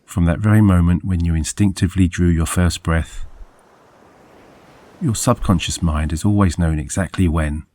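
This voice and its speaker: A man narrating a scripted guided sleep meditation as a hypnosis guide, soothing and measured, with deliberate phrasing. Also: sits low, fairly even intonation, mellow.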